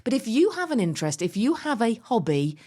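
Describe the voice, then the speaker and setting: A woman's voice: a little high, sing-song, a little fast, darkish tone, slightly rough. An English woman hosting a gardening podcast, chatty and enthusiastic, often breaking into giggles. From England. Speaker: podcast host.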